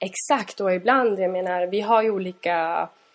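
A woman in a normal speaking voice at a fairly slow pace, with ordinary pitch variation. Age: 20s. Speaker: environmental educator. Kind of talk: casual interview. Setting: office.

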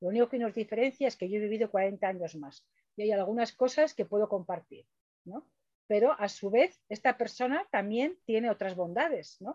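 The tone is dark and mellow, the intonation lively, the pace moderate, and the sound dry and close with no echo. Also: woman, fairly high pitch for a woman. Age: 60s. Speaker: conflict facilitator. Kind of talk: lecture. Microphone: unstable rural internet connection.

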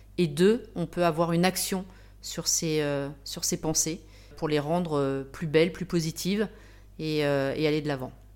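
A woman's very deep, low-pitched voice at a fairly slow pace, with fairly even intonation and music in the background. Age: 50s. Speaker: coaching client. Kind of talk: testimony. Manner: halting.

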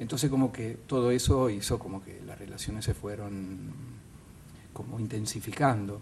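Someone speaks at a moderate pace with an Italian accent. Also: man. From Switzerland, Italian-speaking region. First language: Italian (speaking Spanish). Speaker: photographer. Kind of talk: casual chat.

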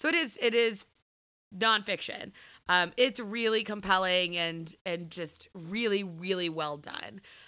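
A woman with an American accent speaks at a fairly slow pace. Her tone is bright and sharp, and her intonation is lively. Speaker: podcast host discussing books. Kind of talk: casual chat.

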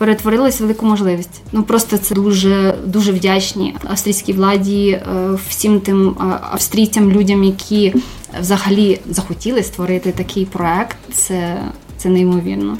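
Noticeable background noise sits behind a woman's voice. She speaks at medium pitch and a moderate pace in a monotone, flat intonation. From Vinnytsia region, Ukraine. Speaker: hospitality trainee. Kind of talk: interview.

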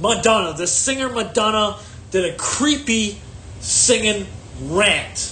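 A loud, animated man with a high pitch, a bright, sharp tone and audible room echo. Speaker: podcast host. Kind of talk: rant monologue.

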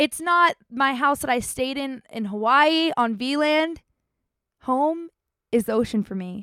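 A woman's raised, projected voice, high in pitch, bright and sharp in tone, animated with lively intonation, at a fairly slow pace, dry and close with no echo. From Pennsylvania, US. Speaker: podcast host, surfer. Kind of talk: casual monologue.

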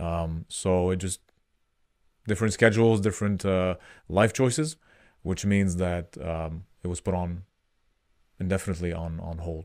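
With an American accent, a man with a very deep, low pitch speaks at a moderate pace with long, frequent pauses and fairly even intonation, in a very clean recording with a silent background. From Montreal, Quebec. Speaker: podcast host. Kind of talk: solo Q&A chat.

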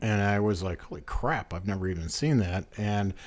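In a very clean recording with a silent background, a man speaks at a moderate pace. He has a normal speaking voice with a fairly low pitch. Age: 60s. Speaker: guest, occasional caller. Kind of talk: casual chat.

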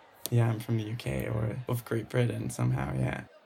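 A man is speaking. Crowd noise can be heard in the background. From England, London. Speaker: interviewee. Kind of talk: casual chat.

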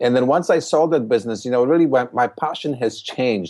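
Speaking with a Polish accent at a fairly quick pace, a man shows ordinary pitch variation. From Poland. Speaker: marketing strategist and business coach. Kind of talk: interview. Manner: fast talker.

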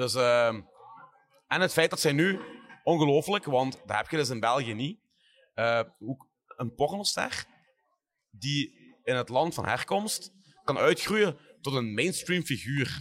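With lively intonation and long, frequent pauses, a man speaks very slowly in a fairly high pitch. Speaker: podcast host. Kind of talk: casual chat. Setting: live recording at a film festival.

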